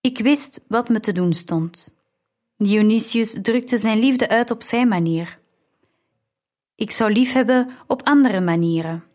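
A woman narrating a story in the first person, reading in a measured, reflective way. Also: fairly high pitch, darkish tone. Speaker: audiobook narrator.

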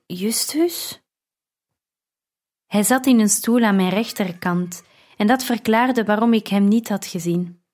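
A woman reading a first-person audiobook in a measured, earnest way. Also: mid-range voice, mellow. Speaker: narrator.

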